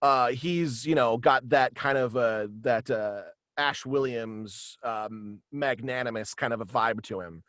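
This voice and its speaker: A man talking casually as an interview guest on a video call, halting and animated in manner. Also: medium pitch, no echo, clean studio sound. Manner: halting and animated, slipping into quoted dialogue. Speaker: guest, voice actor and author. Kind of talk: casual interview chat about own radio play. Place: indoors at home, on a video call.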